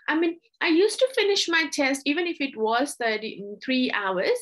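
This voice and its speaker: A young adult woman tutor explaining test changes in a casual, chatty way, often apologizing and filling pauses. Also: a little high, fairly bright tone. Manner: chatty, apologetic, with frequent fillers.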